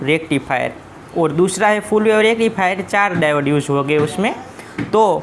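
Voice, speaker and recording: Over light background noise, a man with a high pitch speaks in a Gujarati accent. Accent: Gujarati-accented Hindi. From Gujarat, India. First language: Gujarati (speaking Hindi). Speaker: electronics YouTuber, electrical engineer; electronics YouTuber. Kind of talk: tutorial. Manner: halting. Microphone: phone near.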